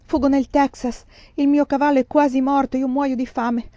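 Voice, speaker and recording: A woman's voice: high voice, flat delivery, moderate pace, mellow, no room sound, voice pushed up, lightly acted. Woman doing a hunted young man, urgent, boastful, raised voice, dry dull audiobook sound. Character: desperate fugitive young southern man.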